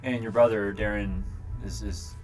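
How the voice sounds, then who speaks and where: A man's voice: fairly low pitch, fairly even intonation, moderate pace, a little mellow, soft background music. A man from Atlanta interviewing a bluegrass singer in a friendly, casual way, full of fillers like "you know". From Atlanta, United States. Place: backstage mobile studio at a festival.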